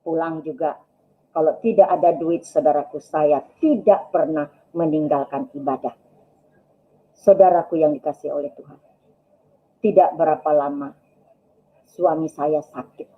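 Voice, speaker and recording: A woman's voice: deep voice, a little slow, pauses often, highs cut off. A woman telling her personal testimony to a congregation, acting out the dialogue and often calling listeners brothers and sisters. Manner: storytelling, acts out dialogue, keeps addressing listeners as brothers and sisters. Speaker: testimony speaker at a church broadcast.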